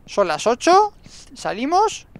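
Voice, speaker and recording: A man giving excitable gameplay commentary and talking to himself as he plays. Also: very high-pitched, slow. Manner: excitable, talks to himself and the game. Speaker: gaming YouTuber.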